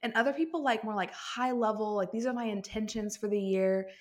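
A woman from the American Midwest co-hosts a lifestyle podcast. She sounds bubbly and enthusiastic at a middle pitch. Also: brisk, darkish tone. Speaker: podcast co-host. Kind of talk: casual chat.

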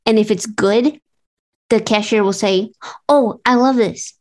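A woman hosting a comedy game-show podcast, chatting in a lively storytelling way. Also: fairly high pitch, a little slow. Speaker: podcast host. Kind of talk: casual chat.

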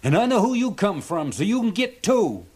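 A feisty old fisherman snaps back in a raised, high-pitched voice, as a man puts him on in a recited poem. He is gruff and stubborn, and his pitch jumps all over the place. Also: very animated, moderate pace, darkish tone, exaggerated voice. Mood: defiant.

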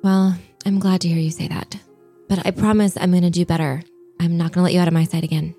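A woman plays her character in a calm, reassuring way. Her voice is low and mellow, and soft music plays underneath. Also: fast. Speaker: player. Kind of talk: in-character role-play.

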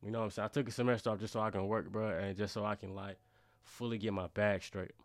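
A man's voice: fairly low pitch, steady tone, quick pace, dry recording. A young man with an African American accent telling stories in a casual, slangy, conversational way. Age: young adult. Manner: slangy, conversational, often says bro and you know what I'm saying. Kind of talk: casual storytelling chat.

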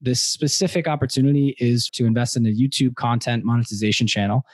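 A man co-hosting a podcast, reading a brisk promo to his listeners. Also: medium pitch, fairly even intonation, no room sound, studio quality. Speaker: podcast co-host.

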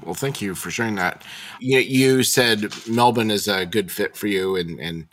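A man hosting a podcast, reading a measured, even introduction and asking interview questions. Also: on the low side. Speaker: podcast host.

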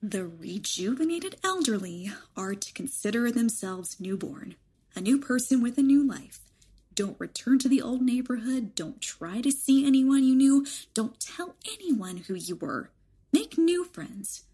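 A woman's voice: on the high side, animated, unhurried, dark tone, breathy edge. A woman playing a defiant, blunt rejuvenated elder in a young body in an audio drama. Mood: defiant, sardonic. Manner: guarded, sardonic, blunt.

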